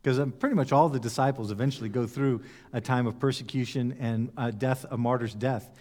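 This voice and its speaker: A man's voice: mid-range voice, steady tone, brisk, a little mellow, in a large hall. A man preaching a conversational sermon, putting rhetorical questions to his listeners. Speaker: pastor.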